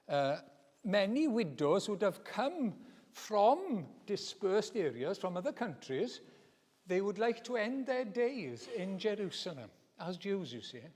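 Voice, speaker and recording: Male preacher, high animated voice, slow deliberate delivery, long church reverb. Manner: lively, expressive, repeats phrases for emphasis. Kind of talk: sermon teaching.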